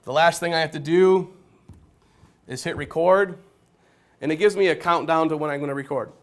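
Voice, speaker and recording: A man who teaches geometry, walking through how he records video notes, with a naturally loud voice and a plain step-by-step way of explaining. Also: fairly high pitch, moderate pace. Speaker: high school geometry teacher. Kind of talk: classroom technology demonstration.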